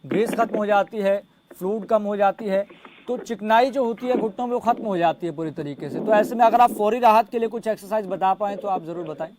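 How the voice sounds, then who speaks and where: A man's voice: sits high, fairly quick, a crowd in the background. A man hosting a health call-in programme, addressing guests and callers formally and politely and prompting them with questions. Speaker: host of a health call-in show.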